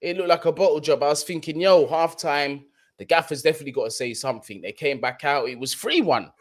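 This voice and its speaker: A man's voice: fairly high pitch, fast. A young man from London with a London accent, hosting a live football stream in slangy, chatty talk and often repeating his points. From London, England. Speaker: football channel host. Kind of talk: casual live-stream chat.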